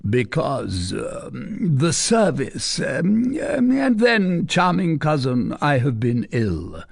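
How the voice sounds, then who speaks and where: A man's voice: on the high side, wildly swooping pitch, slow pace, vocal fry, husky, no echo, clean studio sound, pitched above the performer's own voice, heavily acted. A man voicing a vain young army captain who dodges questions with hesitations and easy charm. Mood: evasive. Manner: hesitant, glib.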